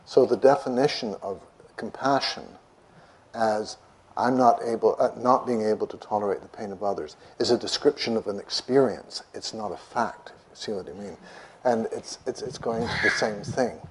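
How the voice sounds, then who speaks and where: A man with a notoriously soft voice, a meditation teacher answering questions from an audience in a lecture room, gently restarting his words. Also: fairly low pitch, moderate pace. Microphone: microphone.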